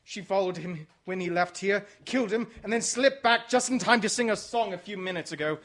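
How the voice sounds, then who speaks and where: A man acts out a debonair gentleman gone to seed abroad. His voice is high for a man. He is suave, sly and theatrical, in radio drama style. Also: a little fast. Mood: nonchalant, evasive. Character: debonair, sly English gentleman exile, Foreign Legion deserter. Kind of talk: radio mystery drama acting.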